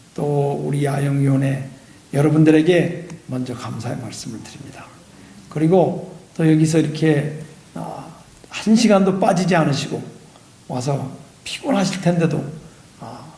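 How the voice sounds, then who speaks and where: At a fairly slow pace, a man speaks with a fairly high pitch, ordinary variation and long, frequent pauses. Noticeable background noise and audible room echo fill the recording. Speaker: pastor. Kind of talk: sermon. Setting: church camp meeting. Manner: frequent 'ah' fillers.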